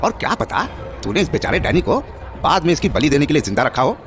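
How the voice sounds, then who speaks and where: A man's voice: on the high side, sing-song, fast talker, fairly bright tone, soft background music. An actor playing a self-righteous village man in a horror audio drama, harsh and accusatory in his scolding. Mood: angry accusing. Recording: noisy crowd and street ambience behind.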